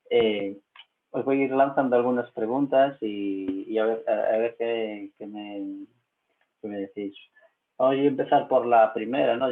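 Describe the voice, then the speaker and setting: A man with a Spanish accent from Spain moderating an online panel, talking casually with many hesitant filler sounds. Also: fairly low pitch. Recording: tinny phone-like audio.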